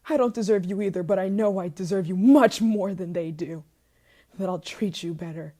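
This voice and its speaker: A woman's voice: mid-range voice, moderate pace, mellow, natural voice. A woman playing an obsessive, possessive, murderous yandere lover in an intimate ASMR roleplay monologue, moving between whispers and frantic outbursts. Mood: jealous, frantic rage.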